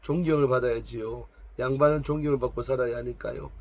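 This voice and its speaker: A man's voice: mid-range voice, fairly even intonation, quick pace, lightly acted. A man reading aloud the lines of a proud, complaining woman of 45 from a noble family. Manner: complaining, defensive, pleading.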